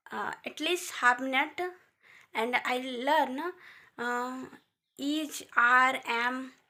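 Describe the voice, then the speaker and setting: With an Indian accent, a woman speaks in a raised, projected voice at a very slow pace, her high pitch bright and sharp and her intonation flat and monotone. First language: Hindi. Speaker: English learner vlogger. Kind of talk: casual vlog. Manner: halting.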